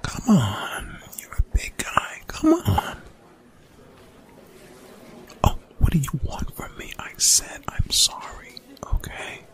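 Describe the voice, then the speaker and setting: A man playing a young college bully in an ASMR roleplay, gruff, defensive and grudgingly apologetic, in hushed, breathy, exasperated slang with swearing. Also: wildly swooping pitch, slow pace, heavily acted. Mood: pleading, flustered. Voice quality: whispered, breathy, gravelly low voice.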